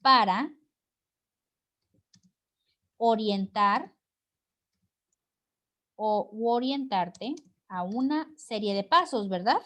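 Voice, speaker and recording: Teacher: woman, fairly high voice, encouraging, leads an online class over a video call. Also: animated, drawn-out words, long pauses, fairly bright tone. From Mexico. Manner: encouraging, frequent "¿verdad?" tag questions.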